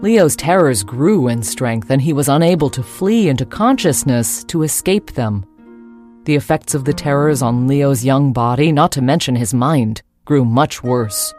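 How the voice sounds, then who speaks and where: A woman's voice: very deep voice, expressive, measured pace, a little mellow, faint music behind. A woman reading a first-person ghost story as its narrator.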